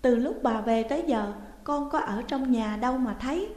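A woman's voice: a little high, normal speed, voice pushed up, natural voice. A woman voicing a blunt, spirited housemaid who talks back sharply, with a roomy echo and long reverb. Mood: puzzled. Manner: defiant, sharp-tongued.

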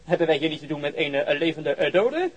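An actor playing a teasing, morbidly curious corpse collector in a radio drama, chatty and mock-deferential. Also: male voice, on the high side, sing-song, brisk, slight background noise. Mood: needling.

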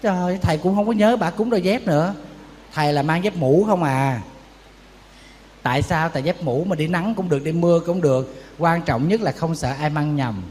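A monk preaches in a high, light voice. He tells his stories in a chatty way and keeps asking the audience rhetorical questions. The sound carries a long hall echo over a faint hiss. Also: a little fast, darkish tone. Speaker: Buddhist monk teacher. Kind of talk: sermon.

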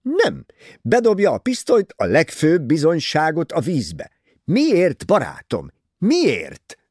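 Man voicing an emphatic, excitable detective. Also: on the high side, no echo, studio quality, pitched above the performer's own voice, heavily acted. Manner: emphatic, insistent, raises voice. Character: small, excitable male detective, forceful and insistent.

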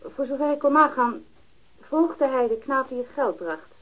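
A woman's voice: sits high, expressive, moderate pace. An actress playing a frank, matter-of-fact woman who uses drugs, giving testimony in a radio crime drama. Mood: matter-of-fact, recounting. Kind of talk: Dutch radio drama dialogue. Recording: dull, lo-fi archived radio recording.

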